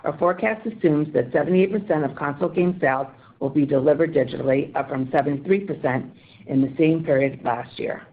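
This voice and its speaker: A woman executive reading a scripted financial report in a formal, measured way over a conference phone line. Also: deep voice. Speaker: company financial executive on earnings call.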